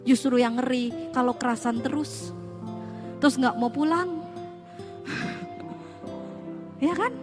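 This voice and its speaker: A woman giving an Islamic parenting talk to parents, animated, asking the audience questions and acting out quoted speech. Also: high voice, slow, long pauses, over music. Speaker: parenting seminar speaker.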